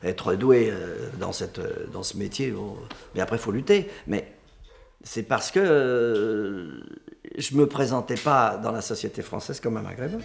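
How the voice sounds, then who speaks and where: A man speaks emphatically in an interview clip, repeating his points. His voice is low and gravelly, and his pitch moves around a lot. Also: expressive, measured pace, a little hiss or hum. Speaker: actor interviewed.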